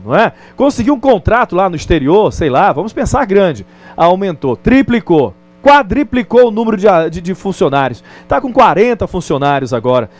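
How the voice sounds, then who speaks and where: A man's voice: on the high side, a little mellow. A man with a Brazilian Portuguese accent teaching a recorded distance-learning lesson in a conversational way, often checking in with the viewer.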